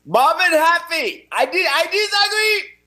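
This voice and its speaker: A man's voice: very high voice, lively intonation, a little slow, pushed and bright, full character voice. A man playing a boastful stage magician. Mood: gracious. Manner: grandiose, broken English, gleeful laughing. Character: boastful male stage magician with broken English. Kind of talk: improv comedy performance. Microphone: video call.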